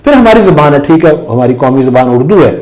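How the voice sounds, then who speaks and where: A man's voice: a little high, big pitch swings, fast talker, darkish tone, poor audio. A man whose first language is Pahari, commenting on politics and making his points with emphatic rhetorical questions. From Azad Kashmir. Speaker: guest commentator. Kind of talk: political discussion.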